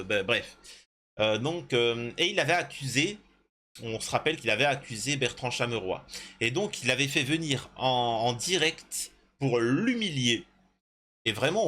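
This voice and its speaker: A man's voice: mid-range voice, pushed and bright, a little hiss or hum. A man reading a news article aloud and breaking off into rambling, indignant asides to his viewers, with many hesitations. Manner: indignant, talks to viewers directly. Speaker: YouTube news commentator.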